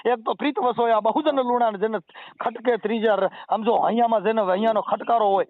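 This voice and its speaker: Fast, high-voiced Gujarati man on the phone. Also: fairly even intonation, no room sound. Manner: forceful lecturing, repeats phrases and talks over the other man. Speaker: social activist on a phone call. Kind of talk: heated, preachy phone argument with folk sayings and verse. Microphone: telephone line. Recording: tinny, narrow-band phone call recording.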